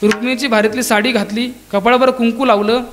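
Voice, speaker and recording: A man's voice: extremely high pitch, steady tone, fairly bright tone. A man preaching a devotional kirtan, telling a saint's story with acted dialogue and sung verses. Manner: dramatic storytelling, voicing characters' dialogue; breaks into slow sung abhang verses. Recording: live kirtan with tabla and instruments behind.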